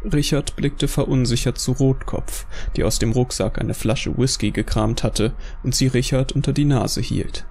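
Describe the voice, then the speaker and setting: A man narrating a dark audio drama from a script, as the storyteller. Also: medium pitch, normal speed, gravelly, few pauses, soft background music.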